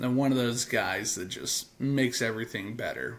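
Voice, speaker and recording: In an American accent, a man with a plain, everyday voice talks at a fairly slow pace with fairly even intonation. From Texas, Dallas. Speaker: podcast host and hockey announcer. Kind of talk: casual chat.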